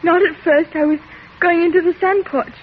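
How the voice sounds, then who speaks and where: An actress playing a frightened, hysterical young daughter who answers in a trembling, tearful voice, in 1940s radio drama style. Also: female voice, extremely high pitch, steady tone, normal speed. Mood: shaken. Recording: tinny old radio broadcast with hiss.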